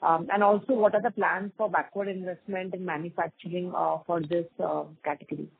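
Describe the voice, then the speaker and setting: Lady analyst asking questions on a tinny phone line, husky voice. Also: lowish voice, steady tone, brisk. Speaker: financial analyst. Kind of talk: questioning on an earnings call. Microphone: phone call.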